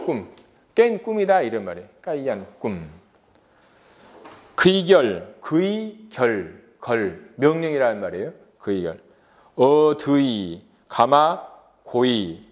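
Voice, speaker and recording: A man giving an exam-prep lecture, asking rhetorical questions and drawing out vowel sounds as examples. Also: mid-range voice.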